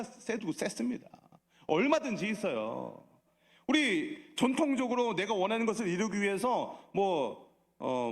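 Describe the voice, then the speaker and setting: A man preaching as a pastor at a church service, asking the congregation questions and slipping in playful asides. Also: sits high. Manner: playful asides that draw laughs. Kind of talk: sermon. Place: church sanctuary.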